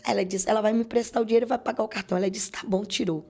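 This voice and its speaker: A middle-aged woman with a Brazilian accent recounts a religious testimony in earnest, flowing storytelling. She repeats her phrases for emphasis and voices the people in her story as she goes. Her voice sits at an ordinary middle pitch for a woman. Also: steady tone, racing, a little mellow. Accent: Brazilian Portuguese. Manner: earnest, repetitive storytelling, quoting others aloud. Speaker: mother giving a faith testimony on a podcast.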